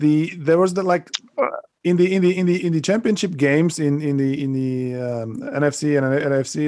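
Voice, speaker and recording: With a Slovak accent, a man speaks at a moderate pace in a fairly high pitch, his tone dark and mellow and his intonation fairly even. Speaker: sports podcast host. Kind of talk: casual chat. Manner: halting.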